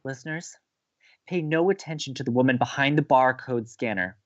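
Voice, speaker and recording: A man's voice: mid-range voice, normal speed, dull audio, natural voice. A young man acting an earnest, emphatic college radio co-host who believes in romance, in a scripted romantic comedy audio drama. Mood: defiant, determined.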